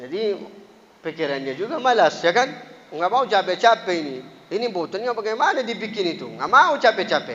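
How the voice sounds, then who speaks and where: Noticeable background noise accompanies a man with a non-native accent and a high pitch. He speaks at a fairly quick pace with very wide pitch swings. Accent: foreign accent in Indonesian. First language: Arabic (speaking Indonesian). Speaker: Islamic preacher and teacher. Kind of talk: religious lecture. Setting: mosque.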